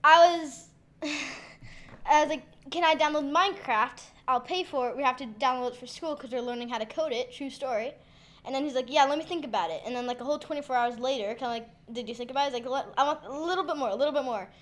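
A woman's voice: high-pitched, fast, a bit bright. A teenage girl telling rambling family stories on a casual podcast, often giggling.

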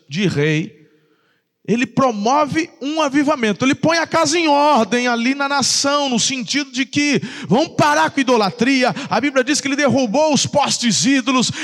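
A man preaching a sermon, lively and jokey, acting out little asides and laughing. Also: extremely high pitch, in a large hall. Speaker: pastor.

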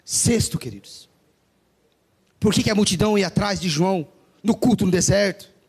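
A man's voice: high-pitched, normal speed, vocal fry, husky. A man preaching a sermon, emphatic, stretching out stressed words.

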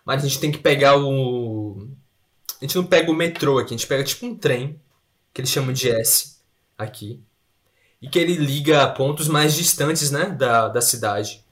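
A man's voice: mid-range voice, normal speed. A man, telling mishap stories in a casual chat and laughing along as he goes. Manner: animated anecdote telling, laughing through stories.

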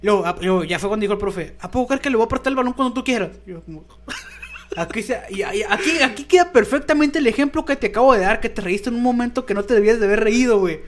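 A young man with a Mexican accent chats on a casual podcast, racing through his anecdotes. His voice sits fairly high, and he acts out every quoted line in a slangy, animated way. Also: fast, slight background noise. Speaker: podcast co-host. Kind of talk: casual chat, storytelling.

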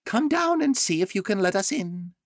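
A man voicing a fussy, excited female duck housekeeper in a high, chirpy chatter. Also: moderate pace, dry recording, studio quality.

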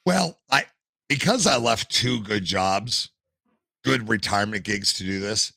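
Gravelly retired man telling stories. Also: on the low side, measured pace, no room sound. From United States. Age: older. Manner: animated anecdotal storyteller. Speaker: podcast guest. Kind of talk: casual storytelling interview. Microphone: headset.

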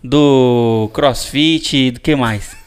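A man's voice: mid-range voice, extremely slow, clean tone. A man with a Brazilian Portuguese accent co-hosting a live podcast, playful and teasing. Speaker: podcast co-host. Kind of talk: casual live podcast chat.

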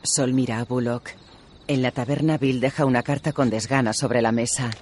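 Flat-voiced male audio describer. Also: medium pitch, moderate pace, a little hiss or hum. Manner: flat, even.

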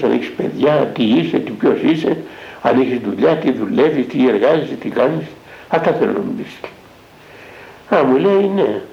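Older monk guy spinning a story, gravelly voice, keeps going "i say, he says", kinda dull old radio sound. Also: medium pitch. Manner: recounts dialogue, with constant "I say, he says" tags. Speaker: Athonite elder monk. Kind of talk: spiritual storytelling talk. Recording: dull lo-fi radio broadcast recording.

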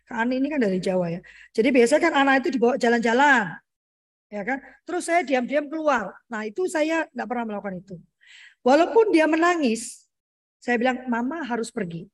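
A middle-aged woman with a voice that sits high appears as a parenting guest in a casual, conversational interview. Animated and explanatory, she often closes her points with "gitu ya" and calls the host "Pak."

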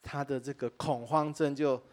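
A man's voice: medium pitch, fairly even intonation, normal speed. A male pastor preaching a sermon to his church congregation. He tells stories earnestly, breaks in with exclamations of wonder and speaks to his listeners directly as dear friends.

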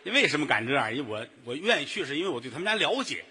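Fast husky man telling a comic yarn. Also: on the high side. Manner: rapid teasing storyteller, deadpan jokes. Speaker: lead crosstalk comedian. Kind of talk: comic crosstalk storytelling.

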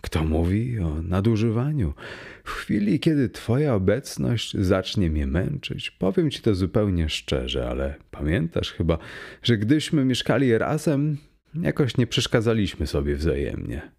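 A warm, joyful young man from a storybook, his voice low and deep, as a male reader puts him on. He talks slowly and gently, dropping to a near hush in his quieter moments. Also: very animated, gravelly, husky, heavily acted. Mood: warm cheerful.

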